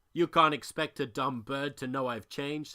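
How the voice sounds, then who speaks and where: A gruff put-on character voice at a moderate pace, on a very clean recording with a silent background. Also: man, medium pitch for a man. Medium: read story. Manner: gruff, barking.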